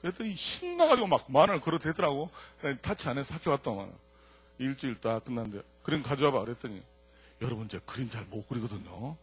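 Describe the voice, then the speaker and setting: An older man, a church elder telling a lively testimony to an audience, swinging between loud punchlines and quiet asides. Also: medium pitch, fast talker, slightly rough. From Jeolla, South Korea.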